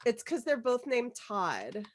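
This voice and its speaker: A woman chatting casually in an excitable, slangy way, swearing freely, on a group call. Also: fairly high pitch, slow. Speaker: participant in a virtual table read group. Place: remote online video call.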